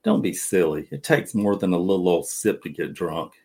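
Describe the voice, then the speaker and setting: Daring young girl, teasing and unbothered, read by a man in a deep voice. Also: lively intonation, moderate pace, mellow, slightly rough, full character voice. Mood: sly. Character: bold, mischievous young girl narrator.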